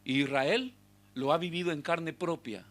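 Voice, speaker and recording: A man preaching a sermon as pastor, swinging between loud exhortation and hushed asides to the congregation. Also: on the high side, measured pace. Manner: speaks directly to the congregation with rhetorical questions.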